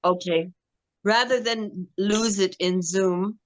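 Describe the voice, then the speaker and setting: Woman participant on a call, casual, mid-pitched, friendly. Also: steady tone, slow, slight background noise. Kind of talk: casual video call chat. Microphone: video call.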